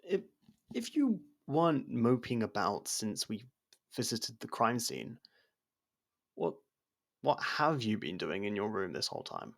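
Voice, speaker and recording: A man acting a guarded, blunt convict who helps with an investigation, in a conversational ASMR roleplay with hesitant pauses. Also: lowish voice, sing-song, gravelly, a bit bright, heavily acted. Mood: surprised, curious. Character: jailed man helping an investigator, guarded, blunt, wryly supportive. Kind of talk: ASMR roleplay audio drama.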